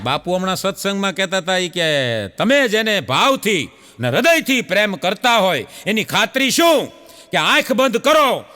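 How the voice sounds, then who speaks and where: A man's voice: high-pitched, moderate pace, in a large hall. A man telling a folksy joke on stage, acting out the dialogue. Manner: lively folksy storyteller switching into dialogue. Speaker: stand-up comedian. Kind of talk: live stand-up storytelling.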